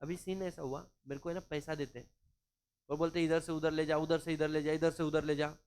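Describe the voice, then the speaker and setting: Man, high-pitched voice, law teacher, chatty classroom style, acts out stories. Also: level tone, a little fast, darkish tone. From Maharashtra, India. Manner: chatty, mixes in English, acts out anecdotes. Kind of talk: casual classroom lecture.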